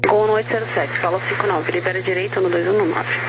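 A man with a Brazilian accent working as a tower controller, giving rapid instructions over aviation radio. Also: high-pitched, steady tone. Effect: radio transmission. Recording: noisy radio channel with hum.

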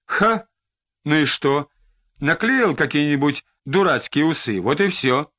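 A whining, tearful suspect, as a male reader puts him on, pleading and snapping in turns. The pitch swings widely and sits a little high. The recording is slightly dull and lo-fi. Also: expressive, a little slow, pushed and bright. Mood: agitated. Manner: sobbing, pleading and irritable.

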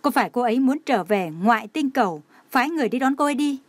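Ranting exasperated male director, woman narrator, higher-pitched read. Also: animated, fast talker, dry recording. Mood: despairing rant.

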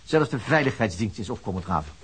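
A stubborn old-hand police detective with a Dutch accent, talking bluntly and commandingly, as a man acts him out in a radio play. His pitch moves a lot as he turns things over. He is a man in his fifties set in his ways. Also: expressive, fast, a little hiss or hum, lightly acted. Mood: musing. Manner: blunt, musing, then commanding. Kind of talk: Dutch radio drama acting.

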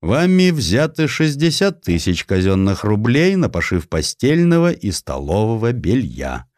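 A man's voice: fairly low pitch, very animated, measured pace, darkish tone, no echo, studio quality. A man voicing a stern senator who questions officials formally, in an audiobook. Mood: stern, demanding. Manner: formal, interrogating. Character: stern male senator auditing a corrupt official.

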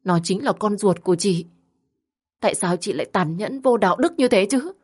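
A woman's voice: medium pitch, lively intonation, normal speed, darkish tone, breathy edge, pitched above the performer's own voice. Indignant young woman for a storybook read, voiced by the narrator; tense, insistent.

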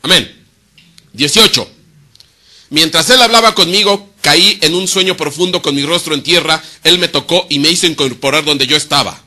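A man preaches at a moderate pace, raising rhetorical questions and then answering them. His sermon moves between loud, emphatic moments and quiet, low asides.

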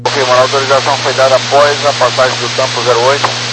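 Brazilian pilot on very noisy radio. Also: male voice, mid-range voice, flat delivery, quick pace. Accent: Brazilian Portuguese. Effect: aircraft radio transmission. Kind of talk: clipped readbacks to air traffic control. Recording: very noisy, humming aircraft radio.

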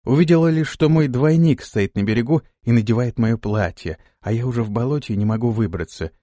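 A man's voice: medium pitch, a little fast, mellow, dry recording, studio quality, close to an everyday voice. A man voicing a terrified young woman stuck in a swamp, crying for help. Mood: distraught.

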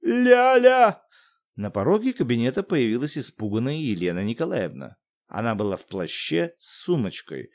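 Animated male audiobook narrator. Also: medium pitch, brisk. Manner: animated, theatrical. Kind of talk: expressive storybook narration.

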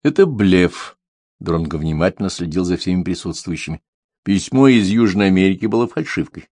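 A man narrating an audiobook in a steady, even storytelling manner. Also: low voice, brisk, no room sound, studio quality. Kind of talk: scripted narration.

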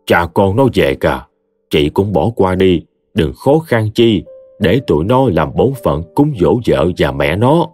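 A man's voice: low voice, sing-song, faint music behind, full character voice. A man voicing a kind old great-granny. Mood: gentle. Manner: slow, gentle. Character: kindly elderly great-grandmother, soothing.

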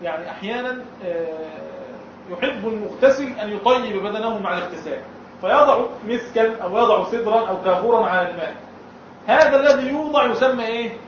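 A man's voice: high voice, fast, slight background noise. A man teaching Islamic law to a class, often asking questions and answering them himself. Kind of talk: classroom lesson. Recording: echoey room, far from the mic, dull and muffled.

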